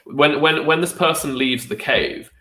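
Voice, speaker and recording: A man's voice: on the high side, unhurried, sharp tone. A young man co-hosting a podcast, rambling in casual chat, swearing freely and dropping slang. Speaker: podcast co-host. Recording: echoey room.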